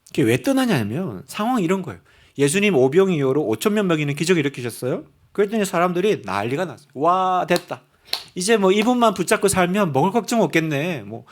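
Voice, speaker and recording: A male pastor giving a sermon in a church, telling a story with animation and building to fervent exhortation. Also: high voice. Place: church sanctuary.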